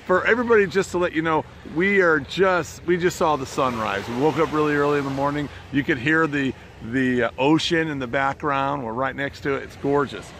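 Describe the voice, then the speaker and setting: A man's voice: fairly quick, few pauses, fairly bright tone. A man hosting a casual promotional vlog with an enthusiastic, salesy manner, often repeating his phrases. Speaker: online business promoter and host. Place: outdoors beside the ocean. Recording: noisy outdoor recording with background rumble.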